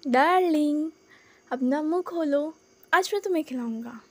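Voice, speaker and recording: A woman's voice: sits high, normal speed, lightly acted. A woman voicing a bold young man who teases and dotes in an insistent, playful way. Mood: teasing.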